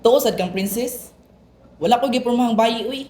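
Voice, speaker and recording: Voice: mid-range voice, moderate pace, darkish tone, close to an everyday voice. A performer playing a sullen, defiant young gay son in an amateur radio drama, snappy and emotional. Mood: defensive. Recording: echoey room.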